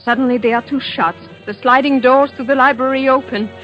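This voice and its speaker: An actress playing a weary, frightened wife in a 1940s radio drama, speaking in a tense, reluctant way. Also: female voice, high voice, fairly even intonation, brisk, faint music behind, close to an everyday voice. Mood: reading tense. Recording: dull old radio broadcast.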